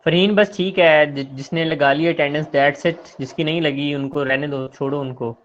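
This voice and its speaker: A man's voice: a little high, steady tone, moderate pace, fairly bright tone. Man teaching an online class, lo-fi. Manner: chiding, teasing students. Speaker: online nursing lecturer.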